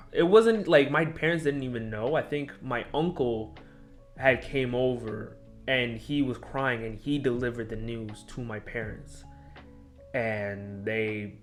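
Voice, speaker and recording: A young man, a podcast guest, telling a personal story in a halting, disjointed way, full of restarts. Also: mid-range voice. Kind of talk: casual conversation.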